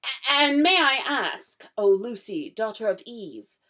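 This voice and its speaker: A woman voicing a nervous, polite male fawn who stammers and drops into breathy whispers. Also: a little high, very animated, a little slow, pushed and bright, voice pushed up, full character voice. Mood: nervous delight.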